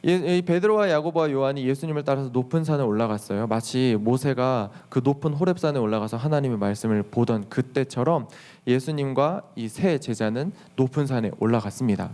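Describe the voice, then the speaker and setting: A young man, a youth pastor, preaching to teenagers in a lively storytelling way, asking the listeners questions and acting out what people say. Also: mid-range voice, brisk. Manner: lively storytelling, acts out quotes with exclamations; addresses the listeners directly with questions. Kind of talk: sermon to teenagers.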